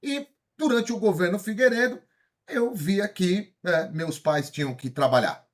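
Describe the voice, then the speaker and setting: A man in his fifties from São Paulo with a paulistano accent, giving an energetic motivational lecture and asking his audience questions. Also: high-pitched, a little slow. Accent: Paulistano Brazilian Portuguese. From São Paulo, Brazil. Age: 50s. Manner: energetic, asks the audience questions, frequent tag questions. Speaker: speaker.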